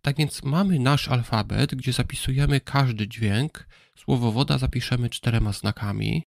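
Male presenter, gravelly mid-pitched voice, calm scripted explainer, dry close sound. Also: no room sound. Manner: calm explanatory, spells out letters slowly. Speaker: presenter of a Bible history program. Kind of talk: scripted educational narration.

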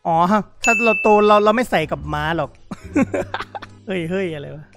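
A man commenting on a role-play game, reading chat messages aloud, excitable and often laughing. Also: high-pitched, unhurried, over music. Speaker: gaming YouTuber.

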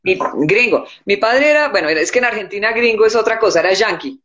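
Woman, 60s, calm and measured, guest on a video call, dull lo-fi sound. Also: medium pitch. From born in the United States, raised in Colombia. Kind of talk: casual live-stream chat. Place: indoor room at home.

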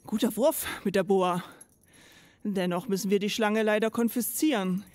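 An actress playing a no-nonsense female police officer in a radio play, brisk and official. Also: mid-range voice, a little mellow, dry recording, lightly acted. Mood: official, explaining.

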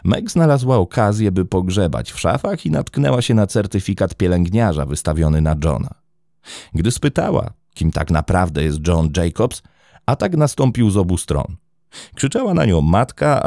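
Male true-crime narrator, very deep, dark, expressive, dry close sound. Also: dry recording. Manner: measured, dramatic storytelling.

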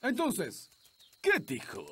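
Blustery, wildly animated fairy king. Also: high voice, slow, husky, full character voice. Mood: pompous. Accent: Latin American Spanish. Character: gruff, pompous adult fairy king. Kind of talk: children's cartoon dub. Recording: music behind the voice.

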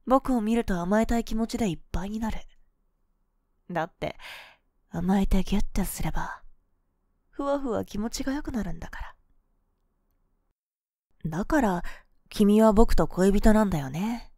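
A woman performs a cool, boyish young woman, a possessive and sweetly manipulative lover, for an ASMR pillow-talk role-play, soft, breathy and coaxing near a close, dry mic. Her pitch is medium and her delivery animated, at a moderate pace with long pauses, in a dry recording.

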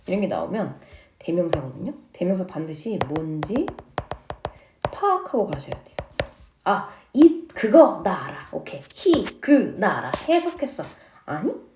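Lady teaching english, slow careful reading, bouncy pitch, echoey room. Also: warm tone, a little hiss or hum. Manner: reads English lines slowly, explains each in Korean. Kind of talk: English lesson, reading and translating dialogues.

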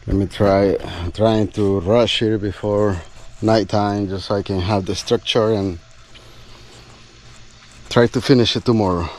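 Slow, low-voiced man thinking aloud outdoors. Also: fairly even intonation, darkish tone. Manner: thinking aloud in short, trailing phrases. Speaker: outdoor bushcraft video host. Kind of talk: casual talk while working. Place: outdoors at a building site.

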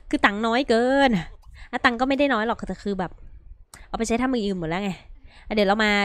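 A woman hosting a casual gameplay video, chatty and playful, talking straight to her viewers with quick exclamations. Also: a little high, expressive, no room sound. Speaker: gaming video host. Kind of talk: casual let's-play commentary.

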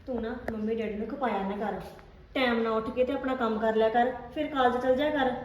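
Brief: actress as a quick, gently lecturing elder sister, roomy recording. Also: female voice, a little high, steady tone, far from the mic, close to an everyday voice. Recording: echoey room, faint noise.

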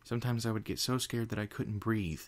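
A man voicing a panicky young female unicorn scholar in a fan story reading, raising his voice high. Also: steady tone, a little fast, close to an everyday voice. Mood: confessional. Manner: frantic, high-pitched and breathless.

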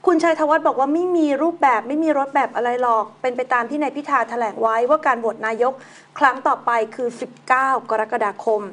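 Woman, high-pitched, news talk host, relaxed chatty commentary. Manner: reads news items then banters in a relaxed, conversational way.

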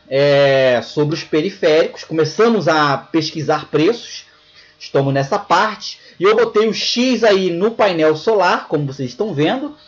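A man's voice: high voice, highs cut off. A Brazilian man with a Brazilian Portuguese accent giving a casual slide lecture, often checking in with "tá bom?" and "né". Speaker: presenter of an online lecture.

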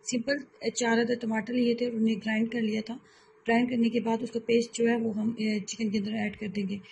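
A woman hosting a home cooking channel, calmly explaining recipe steps in a voice-over and often repeating herself. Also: on the high side, a little fast, creaky, slight background noise, poor audio.

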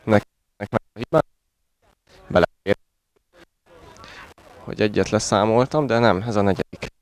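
A man giving conversational live football commentary in short calls, outdoors at a small ground. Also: on the low side.

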